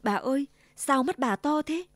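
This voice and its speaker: A woman voicing a sweet, kind little girl in a red hood in a storybook reading, high and polite. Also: animated, normal speed, fairly bright tone, no room sound. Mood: innocent.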